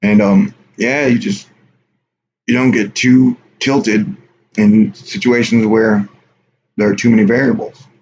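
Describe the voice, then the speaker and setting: A man's voice: fairly low pitch, fairly even intonation, a little slow, a little mellow. Rambling man on a lo-fi livestream. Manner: rambling, offhand, reads chat aloud. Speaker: livestream host. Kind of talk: casual live stream chat with viewers. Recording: dull lo-fi stream audio with faint hiss.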